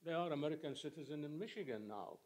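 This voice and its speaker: A man's voice: a little high, lively intonation, fast, darkish tone. A man from Iraq in the audience, telling an earnest, emphatic story and asking the speaker a question. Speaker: audience member.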